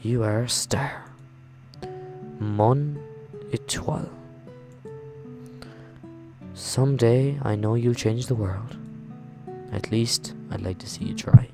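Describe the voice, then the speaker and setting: A man voicing a gentle, fond French man in a visual novel, speaking tenderly. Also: mid-range voice, slow, long pauses. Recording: music behind the voice.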